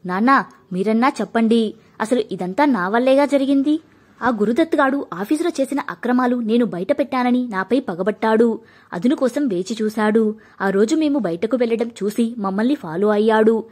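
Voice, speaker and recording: A woman's voice: a little high, moderate pace, darkish tone, natural voice. A woman voicing an earnest young husband. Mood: pained, earnest. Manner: pleading, firm. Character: earnest young married man, injured, gentle but insistent.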